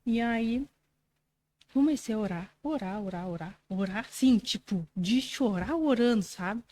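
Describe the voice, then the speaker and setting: A Brazilian woman tells her faith testimony as a podcast guest, her voice warm and mellow with a middle pitch. She speaks earnestly and conversationally, often tagging her phrases and acting out the dialogue she recounts. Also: expressive, measured pace, rough recording. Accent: Brazilian Portuguese. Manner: earnest storytelling, frequent "né" tags, acts out quoted dialogue. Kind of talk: religious testimony in casual conversation.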